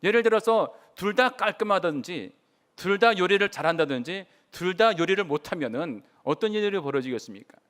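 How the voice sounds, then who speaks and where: A man's voice: high voice, lively intonation, a little fast, fairly bright tone. A man preaching a sermon in church as pastor, earnestly putting questions to the congregation. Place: church sanctuary.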